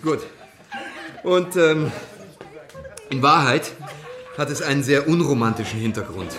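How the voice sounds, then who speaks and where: An actor playing an environmental activist who lectures youth campers, explaining things in a wry, opinionated way. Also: male voice, a little high, reverberant, close to an everyday voice. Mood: wry, explanatory. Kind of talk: radio crime drama, lecture to a group.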